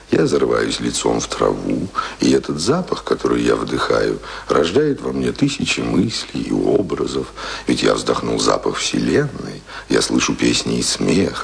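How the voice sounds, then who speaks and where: An actor in a radio play playing an earnest, passionate young self-taught would-be writer, speaking ardently and poetically. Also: male voice, a bass voice, gravelly, exaggerated voice.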